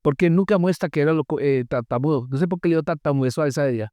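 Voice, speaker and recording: Preacher, smooth clear voice, dry close sound, animated storytelling. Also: mid-range voice, rapid-fire, no room sound. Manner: animated storytelling, asks the congregation questions; joking asides. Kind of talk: sermon.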